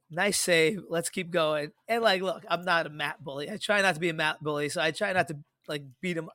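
A middle-aged man co-hosting a podcast, telling stories in a casual, animated way and acting out the dialogue he quotes. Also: sits high, dry recording, clean studio sound. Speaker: podcast co-host.

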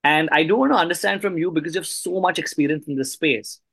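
A man with a slightly high voice hosts a conversational interview. He is agreeable and explains his points casually. The sound is dry, with no room echo. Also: quick pace, vocal fry, a bit bright. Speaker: podcast host, interviewer.

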